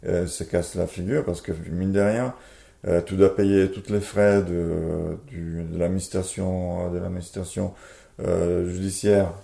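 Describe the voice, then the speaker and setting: A man's voice: low voice, fairly even intonation, a little slow, creaky, dark tone, roomy sound. A man with an Italian accent, a board game publisher talking casually in an interview, hesitant with many fillers and restarts.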